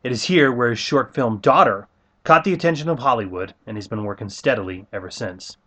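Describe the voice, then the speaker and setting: A male podcast host reads a scripted introduction in an enthusiastic, upbeat way. His pitch is average and his delivery is steady and clear. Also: a little fast.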